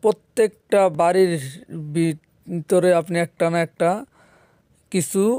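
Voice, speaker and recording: A man's high-pitched voice, dark and mellow in tone, fairly even in intonation, in a dry, close sound with no echo. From Bangladesh, Cumilla (Chandina). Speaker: construction video blogger. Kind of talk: casual vlog address to viewers.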